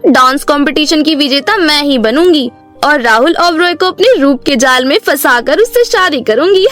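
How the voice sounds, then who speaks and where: A woman voicing a spoiled, boastful young stepsister in an animated storybook, with a very high, shrill, bratty voice. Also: a little slow, faint music behind. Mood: mocking.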